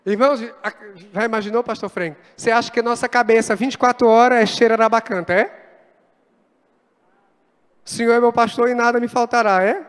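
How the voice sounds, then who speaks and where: A male pastor preaching a lively sermon, acting out quoted dialogue as he speaks. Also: extremely high pitch, a little fast, clean tone. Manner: animated, acts out quoted dialogue. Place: church hall. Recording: long church reverb.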